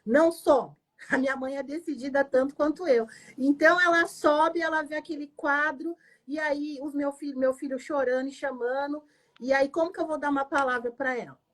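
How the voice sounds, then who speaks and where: A woman pastor with a high voice tells her personal testimony at a normal pace. Her storytelling is emotional and emphatic, and she frequently adds "né?".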